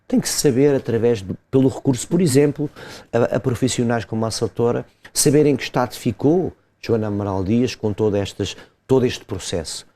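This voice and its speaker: Measured lawyer, man. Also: medium pitch, mellow. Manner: measured, explains step by step with frequent hesitations. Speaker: lawyer commenting as guest. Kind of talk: explanatory legal commentary in an interview.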